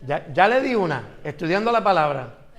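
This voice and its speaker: High-voiced man teaching a Bible class. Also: big pitch swings, moderate pace. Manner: asks the class questions, repeats phrases for emphasis.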